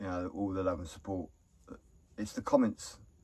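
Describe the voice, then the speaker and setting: A man with a very deep, low voice speaks at a moderate pace, sounding somewhat breathy. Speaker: van life vlogger. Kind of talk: casual vlog chat. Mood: warm, grateful. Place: car. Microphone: phone near.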